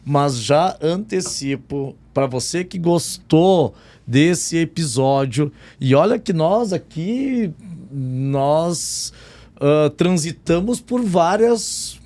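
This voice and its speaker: A chatty man with a slightly high voice hosts a podcast interview. He was born in Jordan and raised in southern Brazil, and he talks casually, laughing often and correcting himself as he goes. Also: expressive, takes it slowly, dark tone. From born in Jordan, raised in Rio Grande do Sul. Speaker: podcast host, law professor.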